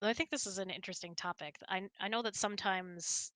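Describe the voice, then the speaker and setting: A woman with a bright voice chats casually on a close, dry mic. She tells stories expressively and giggles easily between phrases. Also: mid-range voice, fairly quick, dry recording. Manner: giggly, expressive, animated storyteller. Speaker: host of an audio hangout. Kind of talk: casual storytelling chat.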